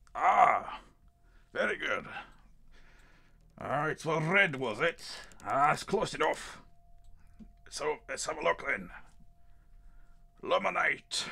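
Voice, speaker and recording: A man puts on a raspy character voice, speaking at a very slow pace with long, frequent pauses. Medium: actual play. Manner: muttering, swearing.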